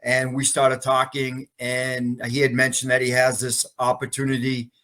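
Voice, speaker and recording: Man in his 50s, from Massachusetts, professor guest, cheerful storyteller, medium-pitched voice. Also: completely flat delivery, normal speed, pushed and bright. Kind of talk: interview storytelling.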